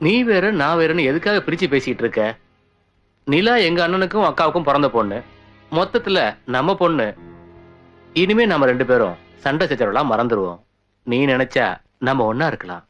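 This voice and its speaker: Scheming uncle, insistent, coaxing, lively pitch, bright tone. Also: male voice, brisk, long pauses, faint music behind.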